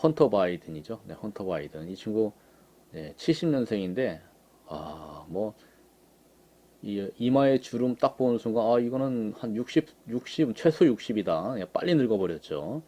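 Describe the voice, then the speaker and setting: Male commentator, conversational, unhurried, filler-heavy delivery. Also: on the low side, big pitch swings, dark tone. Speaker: political commentator. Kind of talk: casual commentary on images.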